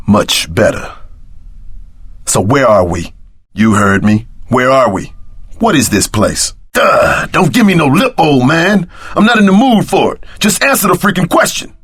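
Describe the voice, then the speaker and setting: An actor playing a tough, streetwise, wisecracking action sidekick in a video game, with a husky voice and gruff, slangy delivery. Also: male voice, medium pitch, sing-song, measured pace, fairly bright tone, full character voice. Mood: menacing, cocky, then angry, threatening.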